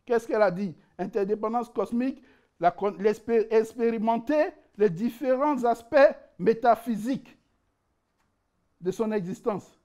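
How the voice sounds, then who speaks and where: A man with a high-pitched voice delivers a conference lecture with lively energy, joking and laughing at his own asides. He restarts phrases often, repeating words as he works toward a point. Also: measured pace. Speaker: conference speaker presenting his book.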